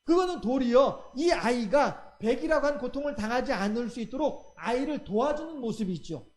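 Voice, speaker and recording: A man's voice: very high voice, animated, brisk. A middle-aged man, a pastor preaching a sermon, acting out quoted voices and asking his listeners rhetorical questions. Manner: acts out quoted voices of God and children; asks the congregation rhetorical questions.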